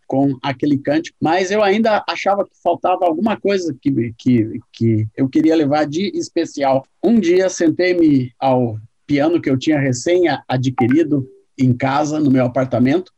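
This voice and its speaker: A Brazilian man, a worship songwriter, warmly recounting stories in an interview. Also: on the high side, moderate pace, husky, dry recording, dull audio. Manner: warm, devout, anecdotal. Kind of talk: storytelling interview answers.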